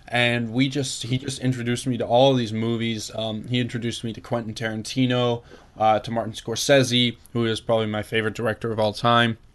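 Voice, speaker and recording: A man talks at a fairly quick pace in a monotone, flat intonation. Noticeable background noise can be heard. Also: medium pitch for a man, hardly any pauses. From Canada, with early childhood in England and Belgium. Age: young. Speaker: podcaster. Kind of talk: casual chat.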